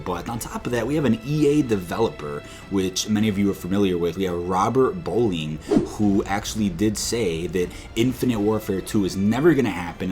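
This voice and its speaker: Male gaming news host, low-pitched voice, informal and emphatic commentary over faint music. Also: a little mellow. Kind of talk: informal video commentary to viewers. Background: background music.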